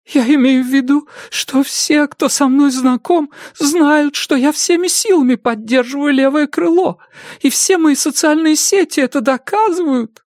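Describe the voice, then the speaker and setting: A frightened young woman near tears, her voice high, thin and choked as she pleads and snaps back, as a male audiobook reader puts her on. The sound is dry and close. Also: a little slow, darkish tone, no echo. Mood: defiant. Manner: sobbing, choked, breathy pleading. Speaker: audiobook narrator voicing a character.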